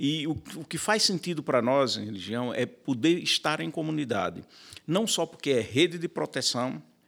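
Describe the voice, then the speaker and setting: A man's voice with vocal fry, very wide pitch swings and a moderate pace. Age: 60s. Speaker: spirituality expert. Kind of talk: panel discussion.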